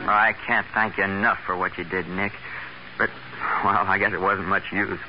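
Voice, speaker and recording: A man's voice: low-pitched, flat delivery, moderate pace, music in the background, lightly acted. An actor playing an earnest, plain-spoken and somewhat hesitant young man in a 1940s radio drama. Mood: grateful, resigned. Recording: hissy, muffled 1940s radio recording.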